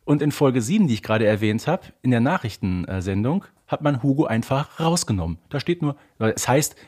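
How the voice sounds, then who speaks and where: A man with a husky, mid-pitched voice and very lively intonation speaks as a podcast co-host. He is playful in casual fan talk and likes to build up each point theatrically. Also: a little fast.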